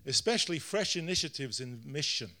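A middle-aged man from London with a British accent gives an informal church address in short phrases, pausing for an interpreter. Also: a little high, expressive, sharp tone. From London, Britain. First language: English. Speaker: guest pastor preaching.

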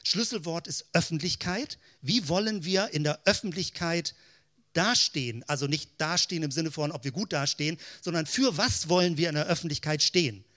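A man's voice: on the high side, normal speed, bright, forceful tone. A man giving a theological teaching talk, explaining step by step in keyword lists and asking rhetorical questions. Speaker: Christian teacher.

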